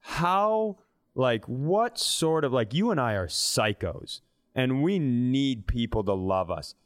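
A man's voice: medium pitch, expressive, slow pace, no echo, studio quality. Comedy podcast co-host: man, thirties, clean resonant voice, casual profane storyteller. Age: 30s. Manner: profane, self-deprecating. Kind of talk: casual comic storytelling and banter.

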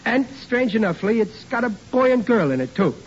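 A man's voice: very high-pitched, very animated, moderate pace. An actor playing Riley, a bumbling working-class young groom who stammers and mangles his grammar, in 1940s radio comedy style. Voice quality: rough, ungrammatical, stammering. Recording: dull old radio recording, faint hiss.

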